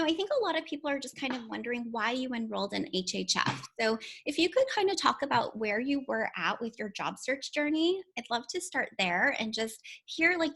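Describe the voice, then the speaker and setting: A woman's voice: sits high, fairly bright tone. A woman hosting a live career Q&A over a video call, upbeat and encouraging, with many fillers. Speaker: host of a live panel Q&A.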